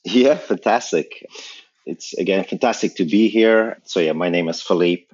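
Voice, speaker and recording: A middle-aged man with a Belgian accent and a very low, husky voice talks through his ideas as a podcast guest, pausing on fillers and restarting phrases. The sound is dull and lo-fi. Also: darkish tone. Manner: thoughtful, explanatory, frequent fillers and restarts. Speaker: guest, company founder. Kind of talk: podcast interview.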